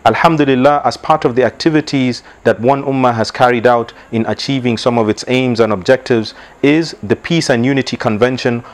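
Man, 30s, organization leader; steady mid-pitched, formal scripted address. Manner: measured, formal, opens with Arabic blessings. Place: indoor library with bookshelves. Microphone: lapel mic.

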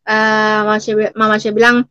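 A woman's voice: medium pitch, monotone, brisk, sharp tone, smooth, dry recording, dull audio. A middle-aged woman from Riau in Indonesia tells her personal testimony and repeats phrases again and again as she goes. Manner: repeats phrases over and over while telling her story. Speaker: guest giving a personal testimony.

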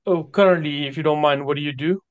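A man's voice: a little high, fast, clear, resonant tone, muffled recording. A man coaching someone in a casual, encouraging way over an online call. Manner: encouraging, affirming. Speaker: career coach, host. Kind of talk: casual advisory conversation.

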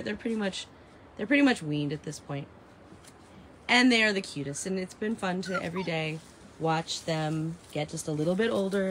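A woman in her thirties with a raspy voice, chatting casually and dramatically to live stream viewers, repeating phrases for emphasis. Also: on the low side. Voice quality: raspy from heavy singing. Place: open porch of a house and its garden, outdoors. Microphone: phone at arm's length. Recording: noisy outdoor phone recording.

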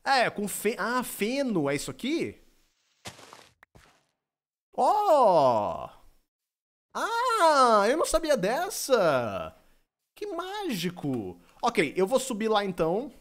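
A young Brazilian man with a Brazilian Portuguese accent and a fairly high voice chats loosely on a live stream. He jokes, rambles and answers his chat aloud into a desk microphone in a small room. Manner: playful, joking, reads chat aloud, rambling. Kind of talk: casual live-stream chat while gaming.

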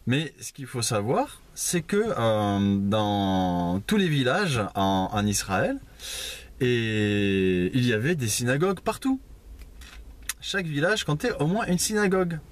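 A man's voice: medium pitch, sing-song, slow. Casual man teaching scripture, full of fillers. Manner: conversational, many fillers and asides. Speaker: preacher. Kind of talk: informal Bible teaching. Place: house church.

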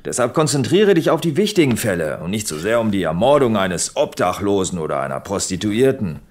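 An actor playing a world-weary police officer in his sixties, an uncle who cautions in a measured, patronising way in a German audio drama. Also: fairly low pitch, big pitch swings. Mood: weary, cautioning. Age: 60s.

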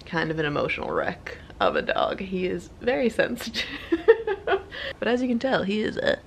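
A woman's voice: medium pitch, wildly swooping pitch, normal speed, vocal fry, slight background noise. A young woman chatting casually to camera in her vlog, giggly and teasing. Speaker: vlogger.

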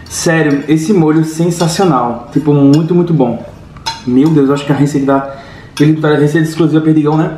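A man's voice: a little high, fairly even intonation, brisk, mellow. Brazilian man talking with mouth full. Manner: enthusiastic, savoring with many hums. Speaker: food channel co-host. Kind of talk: casual food tasting vlog. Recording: roomy with faint background hum.

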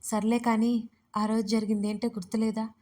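A woman's voice: fairly high pitch, level tone, moderate pace, dark tone, lightly acted. A woman narrator voicing a cheeky young man who likes to tease, in an audio story. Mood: teasing. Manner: playful.

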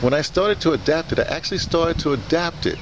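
A man interviewing casually, speaking in a halting way and often repeating words and phrases. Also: a little high, animated. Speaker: interviewer, audio dramatist. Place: outdoors in a courtyard beside a building. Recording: noisy outdoor recording, urban traffic ambience.

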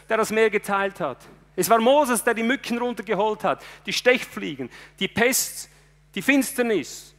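A high-pitched male preacher delivers an impassioned sermon. He swings between forceful bursts and quiet, hushed asides. His voice rings with a long hall reverb.

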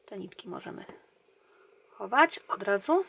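A woman talks slowly and patiently through a crochet tutorial, counting each stitch under her breath. Her voice sits at a middle pitch, and she lets many counts fade down to near a murmur. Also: vocal fry, slightly rough. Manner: calm, counting stitches aloud, often trailing off quietly. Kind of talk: step-by-step crochet instruction.

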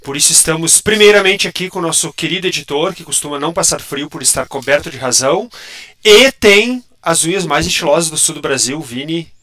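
A man hosts a casual live panel over a video call, his voice sounding metallic and robotic from an audio glitch. His tone sits fairly high and bright, and he jokes and teases his guests. He laughs a lot. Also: brisk. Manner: jokey, teasing, laughs often. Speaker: host of a publisher's live show. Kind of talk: casual livestream panel chat. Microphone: online video call.

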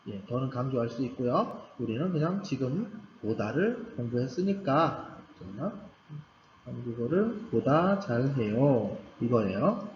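A man's voice: mid-range voice, sing-song, a little slow. A man teaching a Korean language class to beginners, patiently repeating key points with emphasis. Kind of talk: recorded grammar lecture for beginners. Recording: roomy, slightly dull recording with faint background hum.

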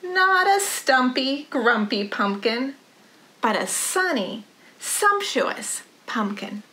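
A middle-aged woman leading a storytime for young children in an animated, rhythmic sing-song delivery, recorded in a living room. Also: sits high, slow. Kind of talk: children's storytime read-aloud.

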